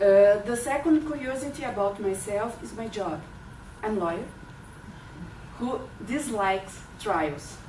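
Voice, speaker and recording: Amid noticeable background noise and audible room echo, a woman speaks at a fairly slow pace with lively intonation, big swings in loudness and long, frequent pauses. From southern Brazil, Porto Alegre. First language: Portuguese. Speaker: lawyer, club speaker. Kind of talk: prepared club speech. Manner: halting, with fillers and restarts.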